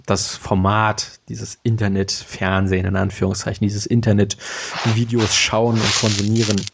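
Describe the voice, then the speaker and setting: A man's voice: lowish voice, flat delivery, normal speed, creaky, slight background noise. A man in his late twenties co-hosting a podcast, chatting casually with lots of fillers and restarts. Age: late 20s. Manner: rambling, many fillers and restarts, laughs often. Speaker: podcast co-host. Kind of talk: casual chat.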